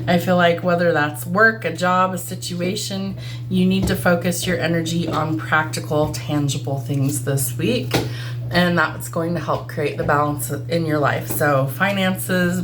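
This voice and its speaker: A woman's voice: fairly low pitch, noisy background. Congested woman giving a casual tarot reading. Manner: conversational, musing aloud. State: congested from a cold; voice cutting in and out. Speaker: tarot reader.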